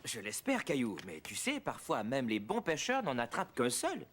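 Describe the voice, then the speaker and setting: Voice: mid-range voice, huge pitch swings, moderate pace. An actor voicing a cheerful, encouraging father in a French-dubbed children's cartoon, upbeat and reassuring.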